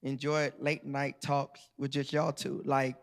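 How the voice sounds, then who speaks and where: A man's voice: mid-range voice, flat delivery, a little slow. A middle-aged man, telling a playful, laughing story to a live audience as a guest author. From Georgia, USA.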